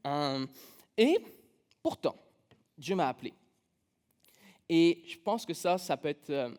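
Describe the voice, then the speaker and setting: A preacher from France with a slightly high voice gives a relaxed sermon in a church. He speaks with a French accent from France, tells personal stories and adds a touch of humour. His speech is informal and full of fillers. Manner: casual, humorous, personal storytelling with many fillers. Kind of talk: conversational sermon. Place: church sanctuary.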